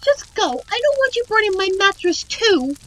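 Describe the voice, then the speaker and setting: Woman acting very high, animated young princess. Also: normal speed, low-quality recording. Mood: hurt, furious. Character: young sheltered princess, dramatic, petulant, sweetly eager. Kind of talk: fantasy audio roleplay acting.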